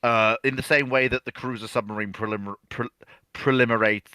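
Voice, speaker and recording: Male panellist, bright forceful voice, dry close sound, pedantic and halting in casual discussion. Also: mid-range voice, fairly even intonation, smooth, no room sound. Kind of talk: casual live history discussion.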